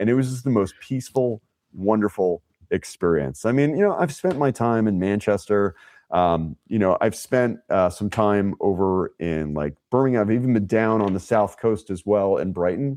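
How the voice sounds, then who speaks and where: Speaking in a New York accent, a man has a fairly low pitch and a dark, mellow tone at a moderate pace. The sound is dry and close with no echo, over a quiet background. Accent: American (New York). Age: 50s. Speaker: soccer referee. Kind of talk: podcast interview. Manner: halting, many fillers and repeats.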